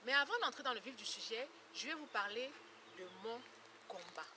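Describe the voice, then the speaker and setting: This woman in her fifties, a beauty blogger campaigning against skin lightening, addresses her followers informally in a fairly high, animated voice with a bright, forceful tone at normal speed. She's earnest and emphatic, repeating phrases for emphasis. It's recorded on a distant mic with clear background noise.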